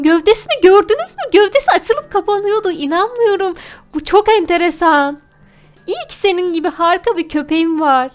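A woman hosting a gaming video, narrating a role-play in an exclamatory, theatrical way. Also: very high-pitched. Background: background music.

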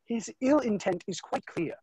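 Actor as earnest young suitor, husky and expressive. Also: male voice, high-pitched, moderate pace, dry recording. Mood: jealous. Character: earnest, jealous young viscount suitor, skeptical and protective. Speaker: actor in a virtual staged reading. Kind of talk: dramatic stage play reading. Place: indoor room, video call. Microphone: video call microphone.

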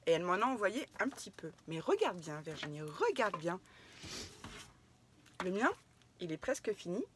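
A woman's voice: lowish voice, sing-song, normal speed, background noise. A middle-aged woman chatting casually while unboxing crafts for her viewers, effusive and often laughing through tears. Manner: laughing and tearful, effusive exclamations. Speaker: scrapbooking vlogger unboxing a swap.

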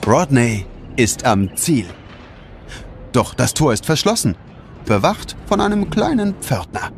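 Male narrator, children's audio drama, dramatic, highly expressive intonation, background music. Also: a little slow, vocal fry. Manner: dramatic storytelling. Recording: music behind the voice.

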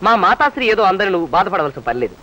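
An actor playing a rich, frustrated young husband who is teasing and exasperated, in a film comedy. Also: male voice, sits high, sing-song, very fast, pushed and bright, slight background noise, heavily acted, low-quality recording. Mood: coaxing.

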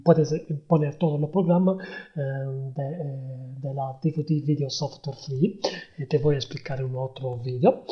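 A man giving a hesitant step-by-step software tutorial, with many pauses and fillers. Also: fairly high pitch. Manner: hesitant, many ums and ers. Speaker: tutorial host. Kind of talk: screen-recorded software tutorial. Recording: dull lo-fi voice-over.

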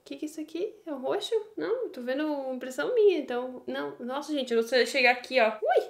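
Chatty high-pitched woman vlogger from Brazil, casual home chat. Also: fast talker, vocal fry. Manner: chatty, keeps asking the viewers "right?". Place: home in Italy, indoors.

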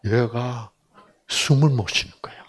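A man's voice: a little slow, husky. An older man giving a Bible lecture, telling a family story and acting out the quoted voices with big swings. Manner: animated, acts out quotes with big pitch jumps.

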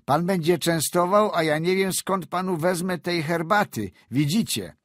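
A man's voice: high-pitched, a little slow, dry recording, studio quality, voice pushed up. A male narrator voicing a complaining servant who grumbles from the next room. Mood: grumbling.

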